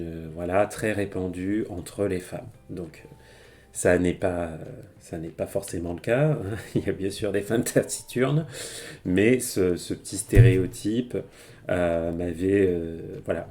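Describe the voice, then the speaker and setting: A man's voice: low voice, a little mellow. A man giving a casual, chatty live-streamed language lesson, with many fillers and frequent laughs as he explains. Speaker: Japanese teacher. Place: home streaming setup.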